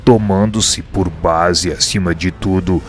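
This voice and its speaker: A man playing a wise, grave spirit mentor in a radio drama, speaking in a measured, didactic way. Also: low-pitched, steady tone, a little hiss or hum. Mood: grave, instructive. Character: wise, grave male spirit mentor teaching his pupil.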